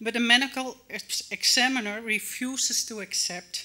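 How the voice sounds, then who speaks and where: A woman with a Dutch accent speaks in a bright, sharp tone. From Netherlands. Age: 50s. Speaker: patient advocate. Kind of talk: conference talk. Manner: reading from notes.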